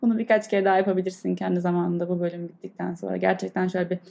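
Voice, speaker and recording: Gravelly-edged woman, earnest and thoughtful. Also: fairly low pitch, level tone, rapid-fire, darkish tone. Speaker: podcast host. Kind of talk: reflective solo podcast talk leading into guided breathing meditation.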